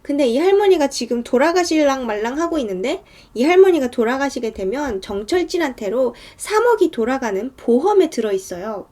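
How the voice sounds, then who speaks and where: A woman's voice: high-pitched, very animated, a little fast, few pauses, dark tone. A woman casually retelling a thriller movie's plot scene by scene, chatting to her viewers. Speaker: movie recap storyteller.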